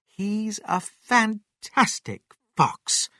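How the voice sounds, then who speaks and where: A storybook narrator voicing a proud, caring mother fox in an expressive, emphatic way. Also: mid-range voice, very slow, dry recording, studio quality, pitched above the performer's own voice, full character voice. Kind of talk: children's storybook character voice.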